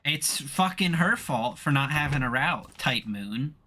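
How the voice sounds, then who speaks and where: A man's voice: mid-range voice, expressive, a little slow, pushed and bright, slight background noise. A man co-hosting a let's-play, chatting casually and teasing his friend with some swearing. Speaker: co-host of a let's-play show. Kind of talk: casual gaming banter between friends.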